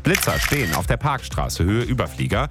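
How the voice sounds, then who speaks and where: A man's voice: on the low side, big pitch swings, fairly quick. A man presenting weather and traffic on morning radio, chatty and joking. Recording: music bed behind voice. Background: music.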